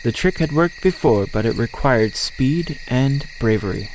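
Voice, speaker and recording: A man's voice: mid-range voice, animated, measured pace, a little mellow, slight background noise, poor audio. A man reading a scripted story as the narrator of an audio drama. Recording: faint outdoor nature ambience.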